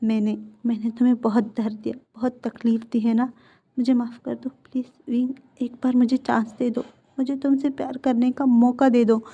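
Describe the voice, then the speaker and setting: A woman voicing a remorseful male mafia boss who begs his lover for forgiveness, with halting repeated words. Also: a little high, little pitch movement, warm tone. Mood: pleading. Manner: pleading, apologetic, halting repeats. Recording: dull lo-fi recording.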